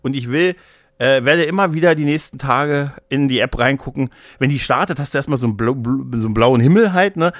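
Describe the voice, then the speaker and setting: A man's voice: medium pitch, fairly quick, dry recording. A man chatting casually as a podcast co-host, rambling along colloquially with English slang mixed in. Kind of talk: casual chat.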